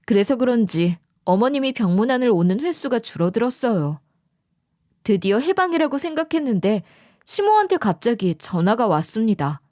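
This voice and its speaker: A woman narrating a scripted first-person story with plenty of feeling. Her voice sits slightly high and moves a lot, recorded dry and close with no room sound. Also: no room sound. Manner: expressive, emotional storytelling.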